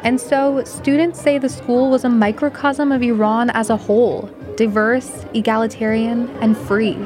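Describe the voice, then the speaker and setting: A woman's voice: a little high, steady tone, moderate pace, darkish tone, a faint crowd. Woman reporter narrating over music. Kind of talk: scripted news narration.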